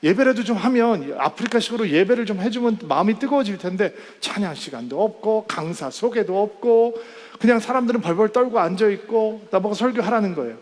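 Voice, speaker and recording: A male pastor telling a story in a sermon, animated and acting out the quoted voices. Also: sits high. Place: church sanctuary. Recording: church hall with long reverb.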